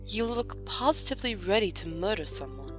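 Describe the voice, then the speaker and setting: A woman playing a composed, gently teasing young noblewoman in a fan audio drama, with formal and dryly playful wording. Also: medium pitch, sing-song, a little fast. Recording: music playing behind. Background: music.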